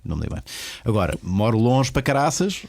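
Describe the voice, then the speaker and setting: Fast, lively low-voiced Lisbon man. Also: vocal fry, dry recording. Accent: Lisbon Portuguese. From Portugal. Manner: teasing, rambling, uses filler "pá". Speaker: podcast host. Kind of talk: casual interview chat.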